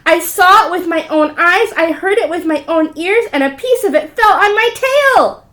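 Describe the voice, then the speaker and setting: A woman's voice: very high-pitched, lively intonation, moderate pace, a bit bright, pitched above the performer's own voice. A woman voicing a frantic young hen in a children's storybook, with alarmed, stretched-out exclamations.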